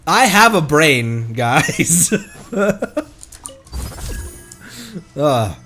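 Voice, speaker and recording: A man's voice: on the high side, very animated, extremely slow, pushed and bright, soft background music. A man streaming a game, laughing and poking fun at himself as he plays. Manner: laughing, self-mocking. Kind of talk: casual gameplay commentary.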